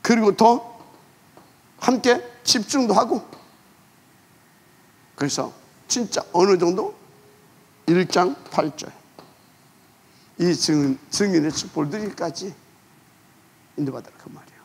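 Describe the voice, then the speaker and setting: A man preaching a sermon as pastor, emphatic, asking rhetorical questions and letting phrase ends trail off quietly. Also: high-pitched, lively intonation, unhurried, long pauses, slightly rough.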